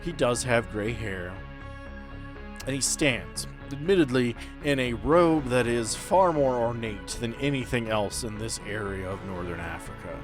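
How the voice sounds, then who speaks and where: A man acting as game master, narrating a tabletop role-playing game in a deliberate, descriptive way with pauses mid-sentence. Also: medium pitch, animated. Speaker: game master and host of an actual-play podcast. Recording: background music under the voice.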